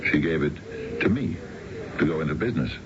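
An actor playing a wealthy, unfaithful middle-aged businessman in a radio drama, smooth and self-assured but halting, with a genteel, gravelly delivery. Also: a bass voice, expressive. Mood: smooth, matter-of-fact. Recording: muffled, noisy old radio broadcast.

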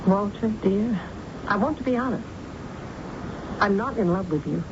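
An actress playing a practical, honest mother in a radio drama, speaking in a measured, candid way. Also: medium pitch, natural voice. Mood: candid, soft. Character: practical, honest mother negotiating with her suitor. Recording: muffled, noisy old radio recording.

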